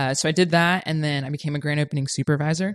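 In an American accent, a woman with a very deep, low pitch speaks at a fairly quick pace, in a dry, close sound with no echo and a quiet background. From Florida, US South. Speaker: franchise restaurant owner. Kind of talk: interview. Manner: casual, with many fillers.

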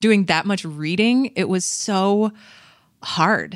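In a very clean recording with a silent background, a woman talks in an American accent with ordinary pitch variation. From Minnesota, Minneapolis. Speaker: executive assistant. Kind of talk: interview. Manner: animated.

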